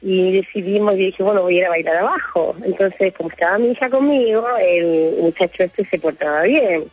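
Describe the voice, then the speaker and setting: A woman's voice: on the low side, fairly quick, husky, no echo. A Chilean woman calling into a radio show by phone, telling a rambling story with frequent laughs. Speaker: caller. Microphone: phone call. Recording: muffled phone line with faint music.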